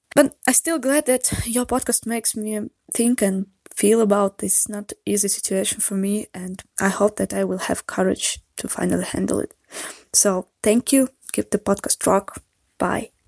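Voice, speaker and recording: This woman speaks with a Russian accent. Her pitch varies in an ordinary way. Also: medium pitch for a woman, moderate pace. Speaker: listener leaving voicemail. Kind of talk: recorded voicemail.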